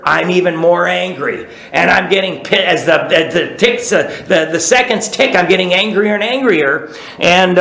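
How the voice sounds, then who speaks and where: Bright-voiced man telling a recovery story. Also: a little high, echoey room, poor audio. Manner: rambling, restarts, asks "right?". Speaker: recovery speaker. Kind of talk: recovery talk.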